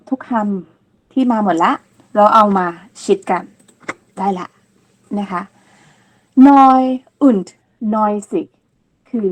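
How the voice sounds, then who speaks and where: A woman giving a patient counting lesson, repeating each word slowly and clearly and ending phrases politely. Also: medium pitch. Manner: polite, ends phrases with soft particles. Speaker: language teacher. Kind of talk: slow step-by-step counting lesson.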